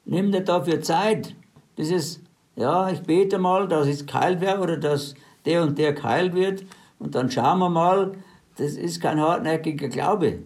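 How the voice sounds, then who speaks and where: A man's voice: on the high side, a little slow, darkish tone. A man preaching a sermon, retelling scripture stories in plain everyday words and urging his listeners on in faith.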